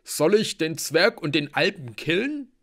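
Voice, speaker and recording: A man doing a slow, blunt berserker. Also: fairly high pitch, big pitch swings, a bit bright, voice pushed up, exaggerated voice. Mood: gruff. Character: hulking half-born berserker man, blunt and gruff.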